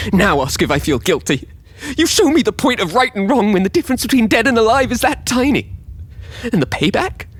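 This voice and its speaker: A man's voice: sits high, fairly bright tone, voice pushed up. A man performing a dramatic monologue as a bitter, defiant survivor, with an intense delivery. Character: bitter, guilt-defying man who survived by chance.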